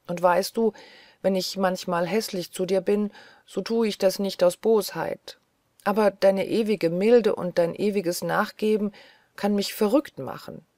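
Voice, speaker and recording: A woman's voice: mid-range voice, dark tone, no room sound, studio quality, close to an everyday voice. A woman voicing a weary, agitated young woman doctor who talks in restless, pleading chatter. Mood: tender.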